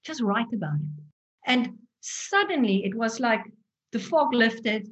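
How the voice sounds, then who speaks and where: Higher-pitched South African woman, Afrikaans speaker. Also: expressive, measured pace, muffled recording. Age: 40s. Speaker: guest, author and parenting workshop presenter. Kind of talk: personal storytelling in an interview.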